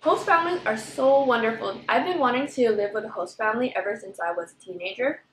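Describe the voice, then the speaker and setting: A woman's voice: fairly high pitch, quick pace, fairly bright tone, a little hiss or hum. A young woman chatting casually in an eating vlog, bubbly and talkative, filling her speech with "like". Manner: bubbly, chatty, says "like" often. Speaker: vlogger. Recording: echoey room.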